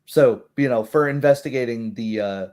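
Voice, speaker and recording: A man's voice: medium pitch, moderate pace, darkish tone. A man chatting casually about tabletop games, acting out little asides as he explains. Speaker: tabletop roleplay show host.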